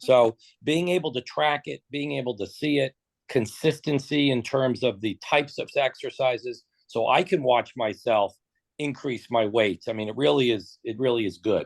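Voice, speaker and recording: With ordinary pitch variation, an ordinary speaking voice proceeds at a moderate pace. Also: man, medium pitch for a man. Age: 60s. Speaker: fitness client, surgeon. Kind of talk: interview.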